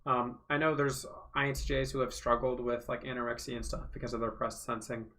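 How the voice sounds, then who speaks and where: A man on a casual home livestream, answering viewers' questions in a loose, rambling way full of ums and likes. His tone is bright and forward, sitting in a middle pitch for a man. After hours of talk his voice is wearing hoarse. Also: level tone, fairly quick. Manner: rambling, filler-heavy, thinks aloud. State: voice going hoarse from long talking. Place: home room.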